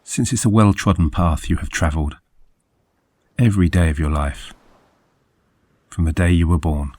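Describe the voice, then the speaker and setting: A man narrating a scripted guided sleep meditation as a hypnosis guide, soothing and measured, with deliberate phrasing. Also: deep voice, darkish tone.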